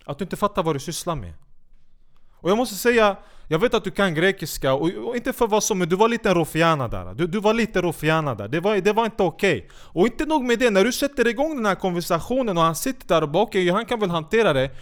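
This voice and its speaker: High, clear-voiced man ranting angrily. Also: sing-song. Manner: angry, sarcastic, scolding, swears a lot. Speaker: commentator. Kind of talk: heated profane rant.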